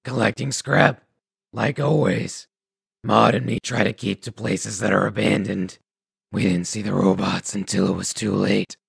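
A man voicing a weary, bitter, self-deprecating ghoul scavenger in a video game, raspy and gravelly, with grudging, halting delivery. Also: fairly low pitch, steady tone, no echo, heavily acted. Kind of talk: video game dialogue acting.

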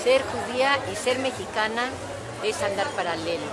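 An older woman, interviewed at a party, speaking in a lively, heartfelt way. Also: fairly high pitch, moderate pace. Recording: loud crowd and noise behind.

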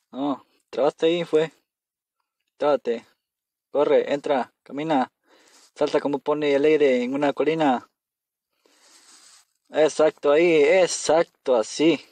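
A man's voice: a little high, darkish tone, no echo. Jumpy man narrating a scary mobile game. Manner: jittery, talks to himself, repeats phrases when scared. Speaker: gamer playing on a phone. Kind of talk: casual gameplay commentary.

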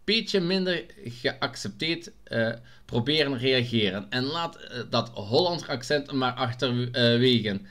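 Vlogger, male, Limburg Flemish accent, slow and halting delivery, casual comment-reading Q&A. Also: medium pitch, expressive, fairly bright tone. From Belgium, Limburg. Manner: unhurried, hesitant with frequent filler sounds.

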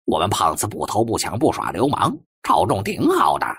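A grumpy, bossy talking cat from a supernatural audiobook, acted out by a man. The voice is very husky and swings widely in pitch. It barks scoldings at foolish humans, breaking into meows. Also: huge pitch swings, brisk, dry recording, studio quality, full character voice. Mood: irritable, scolding. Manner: scolding, loud, punctuates speech with meows.

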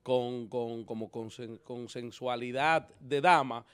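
Loud joking man. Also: medium pitch, fairly even intonation, slow, clear, resonant tone. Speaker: show panelist. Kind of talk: casual entertainment chat.

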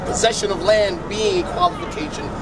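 A middle-aged man holds forth into a handheld mic on a noisy city sidewalk, with lively pitch swings in a high register. He lectures in a measured way and circles back over his phrases, while a crowd murmurs and traffic noise runs behind him. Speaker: street debater. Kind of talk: outdoor public debate. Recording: noisy outdoor street recording.

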